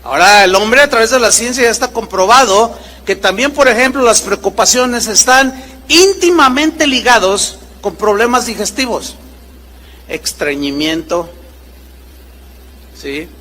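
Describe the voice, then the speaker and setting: A man preaches in a high, bright voice with a long reverb behind him, the way a large hall sounds. He swings his pitch widely as he acts out short exchanges between people in his stories. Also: unhurried, a little hiss or hum. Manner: animated preaching with acted-out dialogue voices. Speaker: pastor. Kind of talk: sermon.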